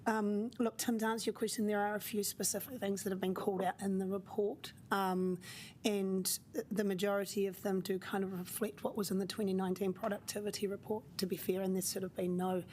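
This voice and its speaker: A woman with a croaky voice, answering a question in a formal council meeting, casual and searching for words. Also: medium pitch, level tone, fairly quick, a little mellow, a little hiss or hum. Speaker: council officer.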